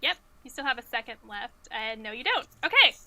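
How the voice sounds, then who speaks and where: A woman's voice: a little high, sing-song, a little fast, sharp tone. A woman hosting a casual trivia game, reading out questions and chatting with the players. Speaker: trivia quiz host.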